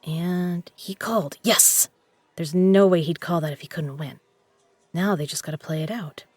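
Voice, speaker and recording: A woman's voice: lowish voice, normal speed, darkish tone, slightly rough, dry recording. A woman playing a tough, guarded poker legend in an audio drama, with a blunt, sardonic way of talking. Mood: hushed commentary.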